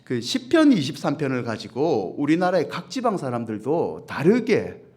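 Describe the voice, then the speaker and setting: A man's voice: medium pitch, wildly swooping pitch, moderate pace, darkish tone. A man with a Gyeongsang accent preaching a sermon as senior pastor, humorous, often asking the congregation questions. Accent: Gyeongsang Korean. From Gyeongsang region, Korea. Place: church service.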